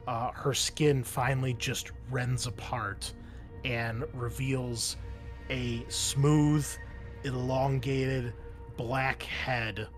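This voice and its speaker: A man runs a tabletop horror game as its game master. His delivery is unhurried, lingering on vivid, gory description and pausing for drama. Soft music plays faintly underneath. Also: medium pitch.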